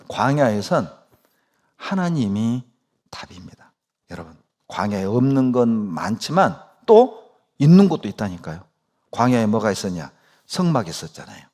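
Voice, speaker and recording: A man's voice: mid-range voice, a little mellow. A male pastor preaching a sermon, speaking emphatically and asking his congregation rhetorical questions.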